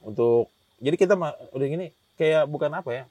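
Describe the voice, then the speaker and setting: A man's voice: fairly high pitch, fairly quick, warm tone, breathy edge, no echo. A man telling a guest story in a rambling way, with many restarts and acted-out quotes. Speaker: hiker telling his experience as a guest. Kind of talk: casual storytelling interview.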